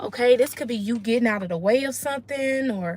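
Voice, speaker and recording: Noticeable background noise beneath a moderate pace and lively intonation. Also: woman. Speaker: tarot reader. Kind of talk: casual tarot reading livestream. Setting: outdoors.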